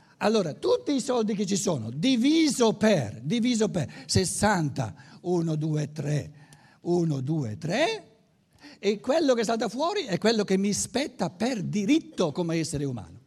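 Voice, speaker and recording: Here a man speaks at a very slow pace with long, frequent pauses. His high pitch swings very widely. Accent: Lombard. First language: Lombard (speaking Italian). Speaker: lecturer. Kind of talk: lecture. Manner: halting, many repetitions.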